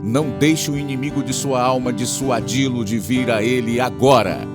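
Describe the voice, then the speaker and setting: A man's voice: medium pitch, steady tone, moderate pace. A man with a Brazilian accent reading scripted evangelistic radio narration as an announcer, earnestly addressing listeners. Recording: guitar music behind the voice.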